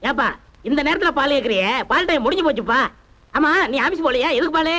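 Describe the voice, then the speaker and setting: An actor playing a nosy, talkative building caretaker who gossips and angles for money in a film. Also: male voice, very high voice, lively intonation, fast talker, sharp tone, heavily acted. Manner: gossipy, cheeky.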